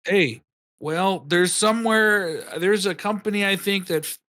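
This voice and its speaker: A man co-hosts a casual podcast, rambling and restarting his sentences as he makes his case. He swears freely, and his voice sits a little higher than most men's. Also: unhurried, bright, forceful tone. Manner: rambling, profane, restarts a lot. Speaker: podcast co-host. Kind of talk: casual chat.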